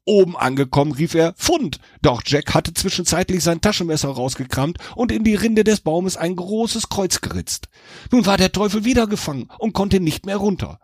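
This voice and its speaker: Lively man telling a funny tale. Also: high-pitched, normal speed, slightly rough, no room sound, studio quality. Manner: playful asides, lively narration. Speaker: podcast host. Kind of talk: humorous storytelling. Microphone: dry studio mic.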